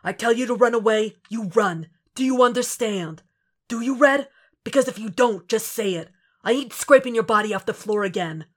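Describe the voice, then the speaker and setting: A woman voicing a gruff, foul-mouthed male ex-Marine who is protective and angry, speaking in commanding, insistent bursts. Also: mid-range voice, moderate pace, close to an everyday voice. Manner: cursing, commanding, rising insistence.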